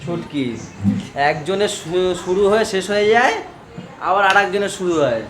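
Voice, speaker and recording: A man's voice: high-pitched, normal speed, reverberant, a little hiss or hum. A man chatting through a casual family vlog, teasing and talking with his family off camera. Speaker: vlogger, father.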